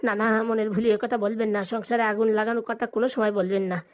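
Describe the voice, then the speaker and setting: Lady doing a nervous village groom guy, high voice, stammers and pleads, cartoon comedy. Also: flat delivery, rapid-fire, close to an everyday voice. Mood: nervous, pleading. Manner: stammering, hesitant, deferential. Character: nervous, pleading, balding young village bridegroom. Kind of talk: comic cartoon dialogue.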